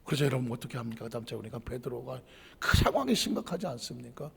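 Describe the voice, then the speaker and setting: A male pastor preaching a dramatic sermon, swinging from loud declarations to near-whispers, in a church sanctuary with long reverb. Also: medium pitch, expressive, racing, creaky.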